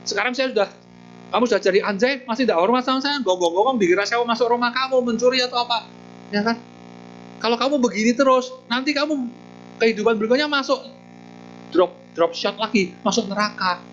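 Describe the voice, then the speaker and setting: Man doing a calm, stern Buddha. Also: very high voice, a little fast, lo-fi sound, faint music behind, voice pushed up. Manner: firm, lecturing, matter-of-fact. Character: calm, knowing Buddha scolding a disrespectful man.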